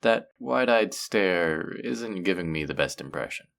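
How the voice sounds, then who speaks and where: A man's voice: low-pitched, animated, measured pace, gravelly, fairly bright tone, full character voice. A man playing a feared supervillain in an audio roleplay, theatrical and businesslike, with a dry, politely condescending manner. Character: feared male supervillain, theatrical yet businesslike and dryly amused. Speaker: supervillain interviewing a job applicant. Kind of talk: audio roleplay acting, addressing the listener.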